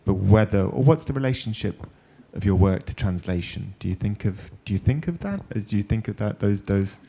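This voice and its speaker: A low-voiced man hosts a panel talk. His tone is dark and mellow, and he tells thoughtful stories in loose, rambling phrases. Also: lively intonation, a little fast, creaky. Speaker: panel moderator. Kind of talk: panel discussion. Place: panel event.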